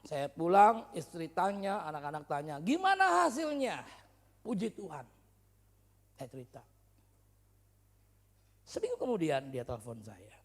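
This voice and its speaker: A male pastor preaching in a church service with humor and stories, swinging from loud shouts to quiet asides. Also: fairly high pitch, sing-song, measured pace, long pauses. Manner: humorous, storytelling, chatty slang. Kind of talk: sermon.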